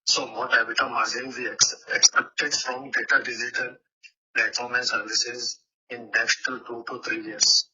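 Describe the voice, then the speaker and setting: A man's voice: mid-range voice, level tone, a little slow, bright, forceful tone, slightly rough. A man with an Indian accent, an analyst putting formal questions on an earnings call. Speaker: investor analyst asking questions. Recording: muffled, lo-fi phone conference line.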